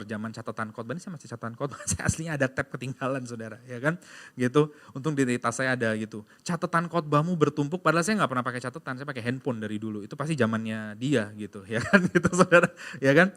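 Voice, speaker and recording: A pastor preaching a sermon in a church, telling a personal story and calling out to the congregation, moving between loud emphatic stretches and quiet confessional ones. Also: male voice, medium pitch. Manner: lively storytelling, addressing the congregation as "Saudara". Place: church sanctuary.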